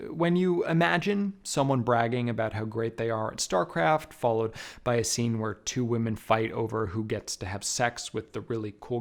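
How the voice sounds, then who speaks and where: A man's voice: fairly low pitch, vocal fry. A man narrating a scripted video review in a wry, conversational way, with emphatic asides and casual swearing. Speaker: film reviewer and video essayist.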